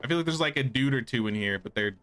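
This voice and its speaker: A man's voice: medium pitch, animated, quick pace, fairly bright tone. A man doing casual livestream gameplay commentary, chatting and thinking aloud as he plays. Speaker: game streamer.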